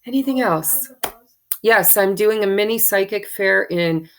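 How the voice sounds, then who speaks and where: A woman, hoarse from allergies, chatting in a rambling, thankful way as host of a tarot channel, with many ums. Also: mid-range voice, unhurried, fairly bright tone. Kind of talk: casual chat to viewers.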